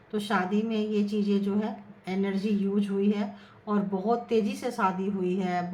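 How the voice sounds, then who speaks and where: Earnest Hindi-speaking woman in echoey room. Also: medium pitch. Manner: earnest, repetitive, chants card requests softly. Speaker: tarot reader. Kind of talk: casual tarot reading to viewers. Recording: echoey room with faint ambient noise.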